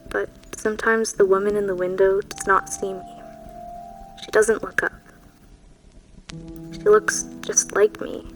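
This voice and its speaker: A woman playing a haunted train passenger in an audio drama, recounting her dread in a measured, brooding, literary way with lingering pauses. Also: mid-range voice, fairly bright tone, rough recording. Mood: wistful, eerie. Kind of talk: scripted audio drama monologue. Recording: music behind the voice.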